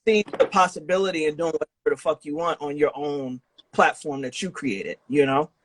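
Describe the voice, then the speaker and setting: Casual man with a slightly high voice. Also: normal speed, low-quality recording. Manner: slangy, freely swearing, affirming. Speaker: podcast host and festival organizer. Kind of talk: casual interview chat.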